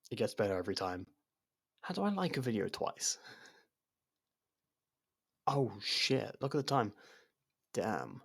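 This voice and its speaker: A man's voice: fairly low pitch, gravelly, slightly rough, full character voice. A man acting a nervous, awkward, secretly obsessive young lover in an intimate ASMR roleplay, stammering and backtracking as he talks. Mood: gushing, nerdy, then embarrassed, sheepish. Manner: stammering, hesitant, self-conscious, backtracking. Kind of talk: ASMR roleplay, intimate one-sided dialogue.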